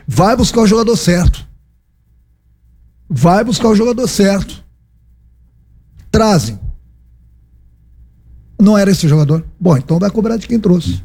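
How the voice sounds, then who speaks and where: At a press conference, a Brazilian football coach answers reporters in a Brazilian Portuguese accent, emphatic and circling back to his points with rhetorical questions. His high-pitched voice is animated yet measured in pace, with frequent pauses, vocal fry, a slightly mellow quality, and a breathy edge.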